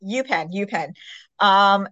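A woman's voice: medium pitch, expressive, slow pace, fairly bright tone, dry recording, highs cut off. A woman hosting a podcast, chatting casually about books in a peppy, enthusiastic, gushing way. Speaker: podcast host. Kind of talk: casual book chat interview.

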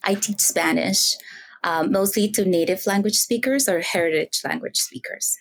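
A woman in her thirties from the Dominican Republic, a quilter and teacher, chats casually as a podcast guest, telling stories full of fillers and easy laughter. Her voice is mid-range and her pace moderate.

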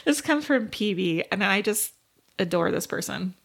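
A woman's voice: medium pitch, expressive, moderate pace, vocal fry. A woman co-hosting a podcast in casual, chatty banter, often giggling as she talks. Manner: giggly, laughs readily while talking. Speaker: podcast co-host.

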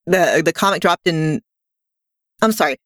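A woman co-hosting a podcast in casual chat, chatty and full of quick asides. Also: fairly low pitch, lively intonation, a bit bright, no room sound, studio quality. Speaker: podcast co-host.

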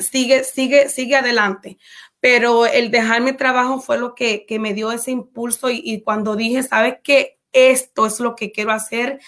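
A woman's voice: fairly high pitch, fairly bright tone. A woman coach speaking in an interview with fervent, religious conviction. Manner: fervent, religious, quick-talking. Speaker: guest coach. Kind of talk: casual interview testimony.

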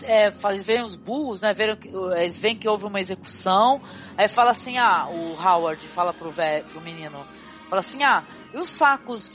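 Woman, podcast co-host, excited, slangy, slightly dull sound, faint music. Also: fairly high pitch. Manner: excited, retelling scenes with acted quotes, slangy. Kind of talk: casual film discussion.

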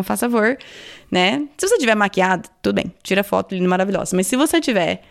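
A woman's voice: mid-range voice, creaky. A woman hosting a podcast, talking casually and chattily with frequent laughs and asides. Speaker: podcast host. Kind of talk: casual chat.

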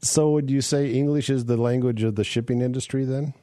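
A man from the United States hosting an interview, asking curious questions and telling relaxed stories about sailing. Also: mid-range voice, a little fast, dry recording, studio quality. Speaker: podcast host. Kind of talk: casual interview questions and anecdotes.

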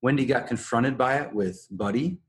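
A man's voice: mid-range voice, normal speed. A man talking casually as a podcast host, analysing and explaining an episode in a recap style.

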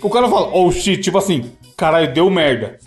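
A man's voice: sits high, expressive, a little fast, soft background music. A man hosting a casual podcast, telling stories in a slangy, profane way and laughing often. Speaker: podcast host.

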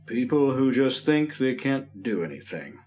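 A brisk, reassuring doctor. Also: male voice, mid-range voice, sing-song, a little mellow, faint music behind. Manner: reassuring, matter-of-fact. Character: calm family doctor. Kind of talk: 1950s radio drama acting.

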